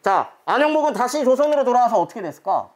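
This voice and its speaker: A woman's voice: a little high, big pitch swings, quick pace, a little mellow, soft background music. A woman teaching history to a class of children, telling the story and quizzing the pupils as she goes. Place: school classroom.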